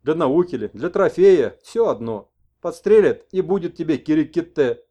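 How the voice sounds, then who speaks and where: A man's voice: on the high side, expressive, moderate pace, dark tone, pitched above the performer's own voice. A man voicing a talkative old village grandfather with a folksy, colloquial manner.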